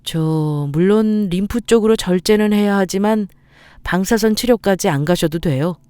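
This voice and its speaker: An actor playing a polite, reassuring doctor in a radio drama. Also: male voice, high voice, normal speed, dark tone, clear, resonant tone, no echo, close to an everyday voice.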